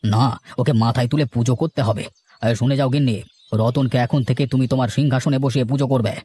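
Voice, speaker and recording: A man playing a gruff, scolding but fair village master in a cartoon story, with an authoritative, declamatory manner. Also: mid-range voice, steady tone, fast talker, warm tone, natural voice. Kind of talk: animated cartoon story acting. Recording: music bed under the voice.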